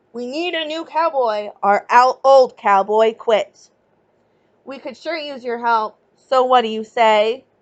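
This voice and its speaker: A woman's put-on character voice, growling and high-pitched, at a fairly slow pace, with ordinary pitch variation and big swings in loudness. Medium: read story. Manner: growling, rough.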